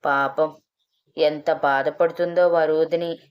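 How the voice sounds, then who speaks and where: A woman's voice: low voice, steady tone, takes it slowly, clear, resonant tone, muffled recording. A woman voicing a meddling older male village president who taunts and gossips in a storybook reading. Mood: scolding.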